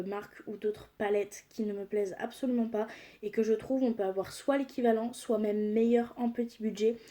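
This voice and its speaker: A woman's voice: on the high side, dark tone. A young woman talking casually and enthusiastically as she reviews her makeup palettes, with frequent hesitations. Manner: chatty, enthusiastic, frequent "euh" fillers. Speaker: beauty vlogger.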